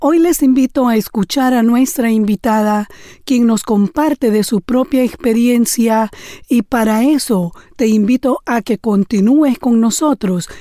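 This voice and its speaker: A woman's voice: a little high, unhurried, dry recording. A woman hosting a faith podcast interview, asking questions in a formal, courteous way. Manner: formal, courteous, soft listening murmurs. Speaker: podcast host.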